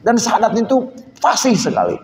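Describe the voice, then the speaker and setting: A gravelly, fairly high-voiced man delivers an animated sermon. He jumps between loud emphasis and quiet asides. He is recorded in a reverberant mosque hall. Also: quick pace, a little hiss or hum. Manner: lively, switching languages, shifting between shouts and low asides. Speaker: preacher. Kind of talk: Islamic sermon.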